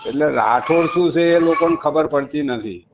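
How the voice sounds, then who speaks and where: A man's voice: fairly high pitch, moderate pace, vocal fry, background noise. A man, a caller on a phone call, talking insistently and repeating his points with emphasis. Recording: tinny phone call recording.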